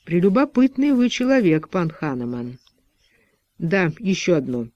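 A stern postwar official presses his questions in an insinuating tone, voiced by a man reading the story. The voice sits fairly high and sounds dry and close. The sound is a bit dull. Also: very animated, unhurried, darkish tone, no room sound. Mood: pressing.

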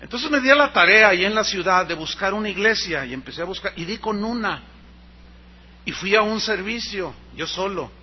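A Mexican man preaching a sermon, telling a personal story and acting out the dialogue with lively energy. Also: sits high, a little fast, slightly rough, lo-fi sound. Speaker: pastor.

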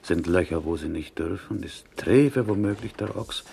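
A devout Jewish butcher in a cell, fretful and plaintive. The voice is very low and creaky, with Yiddish-inflected German in a muttering singsong. It comes from an old radio play with hiss and small clicks. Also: male voice, moderate pace, mellow. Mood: brooding, absorbed. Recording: hissy, clicky 1970s radio recording.

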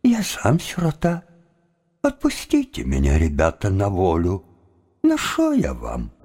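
An actor playing a sly young seminary student who pleads with drunk Cossacks to let him go, with a husky voice. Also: male voice, low voice, huge pitch swings, measured pace, darkish tone, full character voice. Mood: sly pleading.

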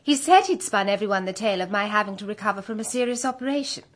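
A woman's voice: mid-range voice, lively intonation, fast talker, lightly acted. A woman playing a brazen, cynical young jewel thief in a radio drama, bold and mocking. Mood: cynical, bitter. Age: young adult.

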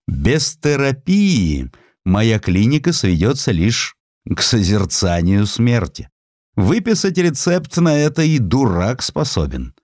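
A man playing an opinionated, commanding nineteenth-century doctor lecturing his students in an emphatic, deliberate, didactic way for an audiobook. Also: on the low side, a little mellow, dry recording, clean studio sound. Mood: pointed, assured.

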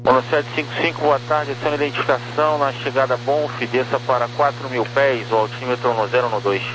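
A man's voice: medium pitch, fairly even intonation, a little fast. A man with a Brazilian accent giving clipped air traffic control instructions over a radio. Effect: radio transmission. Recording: noisy radio channel with hum.

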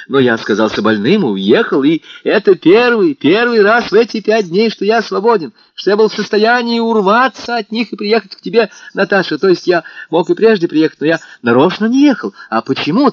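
An eager young man, high and loud, rushing his words as he pleads his innocence, his voice swinging up and down, as a male reader puts him on. The recording is dry and slightly dull. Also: no room sound. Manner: breathless, exclaiming, rushing, insistent.

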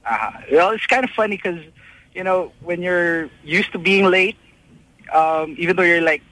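A man's voice: high-pitched, normal speed, sharp tone, dry recording, low-quality recording. A man calling in to a radio show who speaks hesitantly, full of restarts. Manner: hesitant, many fillers and restarts. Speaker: caller. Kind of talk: phone-in chat.

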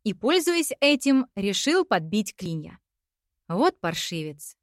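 A woman's voice: mid-range voice, big pitch swings, takes it slowly, dry recording, clean studio sound. A woman reading a first-person novel aloud in a reflective, wry manner. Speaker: audiobook narrator. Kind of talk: first-person literary narration.

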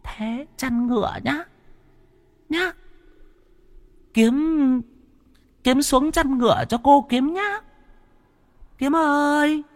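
A man voicing a possessed old woman in a spoken ghost story, in a high, soft, sing-song coo. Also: drawn-out words, pauses often, full character voice. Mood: eerie taunting. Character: possessed old woman, eerie, sly, taunting.

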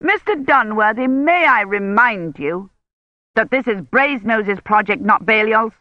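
A woman's voice: fairly high pitch, expressive, a little slow, dry recording, pitched above the performer's own voice. A stiff, officious male project director, voiced by a woman reading a novel, curt and condescending. The recording is dry and close, with a slightly dull, lo-fi sound.

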